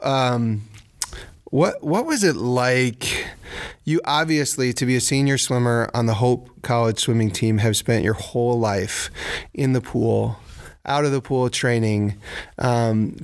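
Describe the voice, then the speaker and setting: A man's voice: mid-range voice, clear, resonant tone. A man hosting an interview, asking long questions that he restarts and rephrases as he goes. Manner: halting, restarts mid-question. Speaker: interviewer, host.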